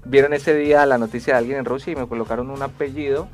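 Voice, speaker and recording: A young man, a sports journalist, guesting on a radio show and talking with polite, hesitant pauses and restarts. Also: medium pitch, fairly even intonation, faint music behind. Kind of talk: radio studio chat.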